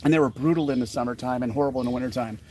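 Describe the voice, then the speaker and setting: A man's voice: medium pitch, very fast, darkish tone, a little hiss or hum. A man co-hosting a podcast, telling a story from his childhood in a rambling, self-correcting way. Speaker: podcast co-host. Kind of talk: casual storytelling.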